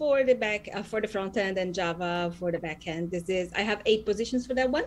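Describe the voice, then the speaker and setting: With a Brazilian Portuguese accent, the speaker talks with hardly any pauses and ordinary pitch variation. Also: woman. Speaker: IT recruiter. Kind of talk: interview. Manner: halting.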